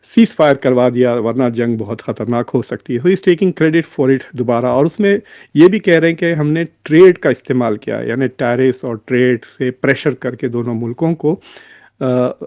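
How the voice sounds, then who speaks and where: A man's voice: medium pitch, normal speed, a little mellow, no echo, studio quality. A man with an Indian accent giving informal political commentary as host, switching often between two languages as he addresses his viewers. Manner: code-switches between Hindi and English.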